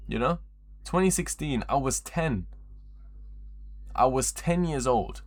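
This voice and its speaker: A man's voice: medium pitch, animated, takes it slowly. A twenty-year-old man chatting casually on a livestream in a rambling, slangy, repetitive way, with frequent swearing. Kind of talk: casual livestream chat to viewers.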